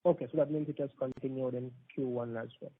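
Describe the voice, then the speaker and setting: A man's voice: mid-range voice, fairly even intonation, quick pace. A man, a financial analyst asking polite, deferential questions on a conference call, with many fillers. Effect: conference call phone line. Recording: tinny phone line.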